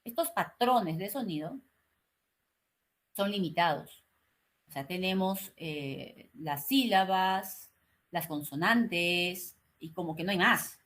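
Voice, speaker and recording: A woman teaching an online class, speaking slowly and articulating each word with care, with frequent checking questions and hesitations. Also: fairly low pitch, fairly bright tone. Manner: slow, carefully articulated explaining; frequent "¿no?" and "eh" fillers.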